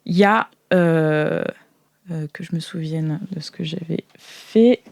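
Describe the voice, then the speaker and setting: A woman's voice: low-pitched, slow, creaky, darkish tone, dry recording. A woman improvising scene descriptions as a game master in a casual, conversational way.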